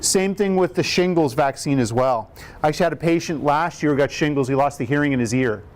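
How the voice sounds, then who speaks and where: Man, 50s, booming voice, upbeat, fairly high pitch, rehab educator, live talk to a group. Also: fast talker, darkish tone. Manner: upbeat, conversational, explains plainly with rhetorical questions.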